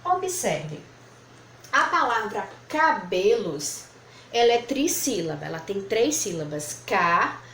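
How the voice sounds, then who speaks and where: A woman's voice: mid-range voice, very animated, slow pace, fairly bright tone. A woman teaching a lesson at a board, patiently spelling out words syllable by syllable. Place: room with whiteboard. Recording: echoey room, faint background noise.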